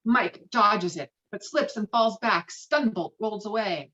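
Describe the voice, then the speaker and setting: A woman reading screenplay stage directions with dramatic, expressive delivery over a video call. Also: mid-range voice, a little slow, lo-fi sound. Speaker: stage directions reader at a table read.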